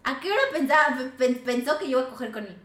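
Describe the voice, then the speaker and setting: A woman with a Mexican accent hosting a podcast, telling a story in animated casual chat, swearing a lot and acting out what people said. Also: sits high, fast talker, echoey room. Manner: animated, swears a lot, acts out quoted dialogue. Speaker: podcast host.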